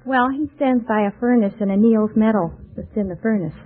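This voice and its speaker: A woman's voice: medium pitch, a little fast. An American woman, a contestant on a radio quiz, telling casual stories in a chatty, giggly way. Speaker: quiz show contestant, housewife. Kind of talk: casual anecdote in a radio interview. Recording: tinny noisy old radio broadcast, audience.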